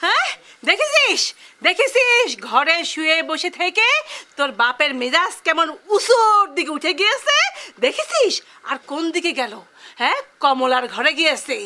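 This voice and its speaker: An actress playing a sharp-tongued, middle-aged village housewife and mother who scolds in a dialect, quick to anger. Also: extremely high pitch, very animated, exaggerated voice. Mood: furious. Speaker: mother and wife in a TV serial. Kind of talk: TV drama acting. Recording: background music under the dialogue. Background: music.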